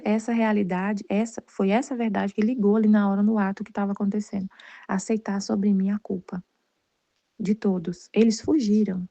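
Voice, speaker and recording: A woman's voice: medium pitch, warm tone, no echo, muffled recording. A Brazilian woman giving a casual personal faith testimony, rambling with many restarts and repeated words. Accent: Brazilian Portuguese. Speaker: Catholic study group leader.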